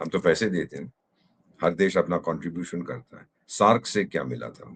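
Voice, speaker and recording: The voice belongs to a man and carries vocal fry. He speaks at a moderate speed. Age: 70s. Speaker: retired diplomat. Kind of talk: interview. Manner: animated.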